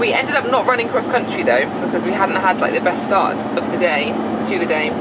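Over loud background noise, a woman talks with ordinary pitch variation. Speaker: horse eventing vlogger. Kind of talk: casual vlog chat. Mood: cheerful, laughing. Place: car. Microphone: phone near.

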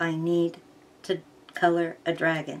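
Her pace is very slow. The woman's pitch sits fairly low. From England (moved to Canada as toddler), raised in Canada. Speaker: YouTuber reviewing colouring books; craft youtuber. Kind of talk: casual show-and-tell vlog. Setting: home recording, talking to camera. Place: home room.

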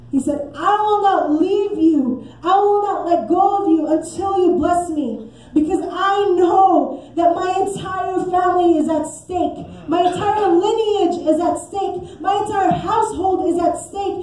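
A woman speaks at an extremely high pitch with ordinary pitch variation, and audible room echo surrounds her voice. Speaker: preacher. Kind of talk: sermon. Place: church.

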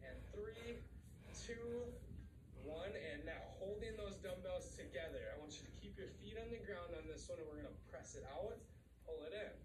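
At a moderate pace, a man talks with noticeable background noise behind him. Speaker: fitness instructor. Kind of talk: led seated workout class, cueing exercises and counting down reps. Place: home room. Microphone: camera far.

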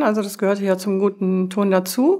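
A woman talks against a quiet background. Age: 50s. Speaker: flight attendant and coach; coach. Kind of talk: personal testimony interview. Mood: reflective, calm, personal. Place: studio. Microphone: lapel.

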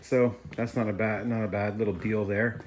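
A man speaks with a normal speaking voice at a fairly low pitch and a moderate pace over light background noise. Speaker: reseller store owner. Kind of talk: casual vlog chat. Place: shop. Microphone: phone near.

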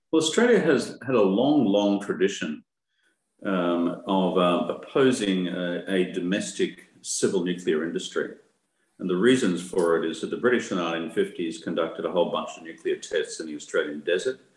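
Moderate pace, with audible room echo. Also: man. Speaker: guest, former politician. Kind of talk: interview answer. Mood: measured, explanatory. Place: office. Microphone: video call.

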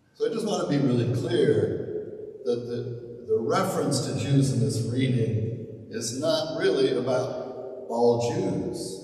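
In a space with strong room echo, a man speaks at a very slow pace. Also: ordinary pitch variation. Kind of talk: sermon. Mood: earnest, serious. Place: church.

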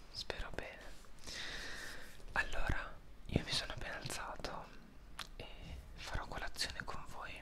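Loud background noise behind a man at a fairly slow pace. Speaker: ASMR creator. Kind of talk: ASMR whispering, casual talk to camera. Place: kitchen. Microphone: lapel.

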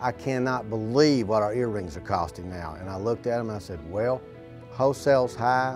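Clear music can be heard behind the voice. The man talks at a moderate pace. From Southern United States. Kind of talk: local TV infomercial. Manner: casual, conversational. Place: shop.

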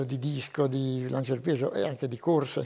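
At a moderate pace, a man talks in a monotone, flat intonation with a fairly high pitch against a quiet background. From central Italy, Marche (Pesaro-Urbino area); Marche, Italy. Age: 70s. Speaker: masters athlete; guest. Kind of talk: TV studio interview. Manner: halting, with false starts. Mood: warm, reminiscing. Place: studio. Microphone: lapel.

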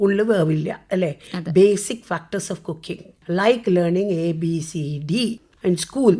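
A woman talks in an ordinary speaking voice at a medium pitch. Her pitch varies in an ordinary way. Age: 60s. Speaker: chef and food entrepreneur. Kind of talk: radio interview.

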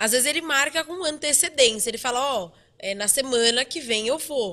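Her voice raised and projected, a woman with a high pitch and a bright, sharp tone speaks at a moderate pace with ordinary pitch variation. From Brazil. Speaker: TV producer and editor; podcast guest. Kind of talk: casual chat. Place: studio. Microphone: studio mic.

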